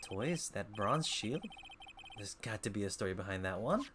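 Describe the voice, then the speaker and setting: A man's voice: lowish voice, animated, moderate pace, over music, lightly acted. A man voicing an earnest young male defense lawyer who sounds puzzled and asks a lot of questions.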